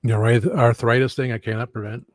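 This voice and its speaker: A man's voice: medium pitch, little pitch movement, brisk, no room sound, clean studio sound. A man streaming casual talk, rambling and meandering as he goes. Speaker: streamer, host. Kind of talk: rambling casual livestream chat.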